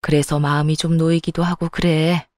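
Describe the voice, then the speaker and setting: A practical, caring middle-aged mother, read by a woman narrator, speaks in a calm, reassuring way. Her voice is slightly lower than usual and mellow. The sound is close and dry, like a storybook read-aloud. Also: brisk, no echo, close to an everyday voice.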